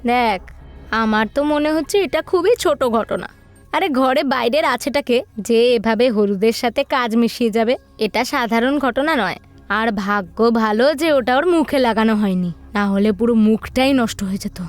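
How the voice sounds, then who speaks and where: একজন মহিলা অডিও ভূতের গল্পে কনের সন্দেহপ্রবণ জেঠিমার ভূমিকায় সোজাসাপটা, শাসনের সুরে কথা বলছেন।. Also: female voice, on the high side, moderate pace, no echo, faint music behind, close to an everyday voice. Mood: grave, suspicious. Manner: blunt, scolding, bossy. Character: outspoken, suspicious elder aunt of a village bride. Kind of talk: audio horror story dialogue.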